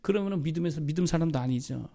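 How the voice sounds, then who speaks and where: A middle-aged man, a pastor, preaching a sermon in a church, swinging between loud exclamations and quiet asides. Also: fairly high pitch, racing, vocal fry. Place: church sanctuary.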